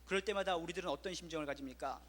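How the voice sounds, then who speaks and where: A man's voice: a little high, racing, a bit bright, big-room sound. A male pastor preaching an impassioned sermon full of rhetorical questions, in a church.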